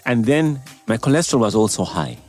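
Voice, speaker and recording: A Ugandan man in his forties, a doctor, telling his life story in a relaxed interview with easy laughs. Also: mid-range voice, brisk, soft background music. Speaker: doctor and guest. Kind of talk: casual interview chat.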